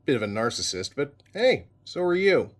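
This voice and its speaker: A man's voice: medium pitch, very animated, moderate pace, close to an everyday voice. An actor playing a wry male police sergeant with a dry, teasing delivery, in an audio drama. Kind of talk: full-cast audio drama.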